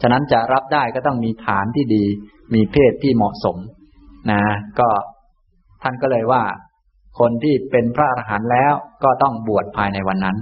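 A man, a Buddhist monk teacher, giving a calm, gentle dharma talk and answering questions. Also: medium pitch, breathy edge, phone-quality sound. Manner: calm, unhurried, gentle explaining.

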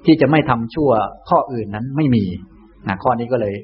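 A man, a Buddhist monk teacher, giving a calm, gentle dharma talk and answering questions. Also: medium pitch, breathy edge, dull audio. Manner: calm, unhurried, gentle explaining.

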